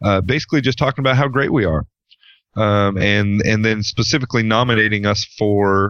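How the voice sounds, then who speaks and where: Speaking in a normal speaking voice, a man keeps a fairly low pitch with ordinary pitch variation. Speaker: podcast co-host. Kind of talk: casual podcast chat.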